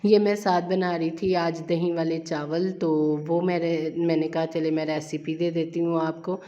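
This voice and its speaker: A woman's voice: lowish voice, level tone, highs cut off. A middle-aged woman, chatting casually to viewers while she cooks in her home kitchen. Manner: chatty, homely, repeats herself warmly. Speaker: vlogger. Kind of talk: casual chat while cooking.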